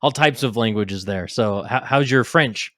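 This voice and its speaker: A man's voice: mid-range voice, normal speed, fairly bright tone, dry recording, clean studio sound. A man hosting a podcast interview in a casual, upbeat way, with loose fillers like "you know.".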